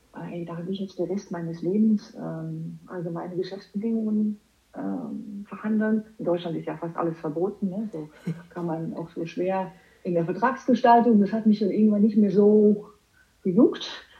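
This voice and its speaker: With music in the background, a woman at medium pitch speaks at a moderate pace, her loudness swinging widely and her pitch varying in an ordinary way. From Netherlands, Amsterdam. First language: Dutch (speaking German). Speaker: managing director of a patient organization. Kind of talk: interview. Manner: halting.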